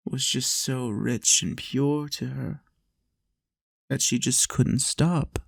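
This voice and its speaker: A man's voice: mid-range voice, gravelly, dry recording, clean studio sound. A man playing a lonely, doting vampire lord in an intimate roleplay, soothing and playful as he coaxes the listener. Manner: soothing, unhurried, lapses into whispers and chuckles.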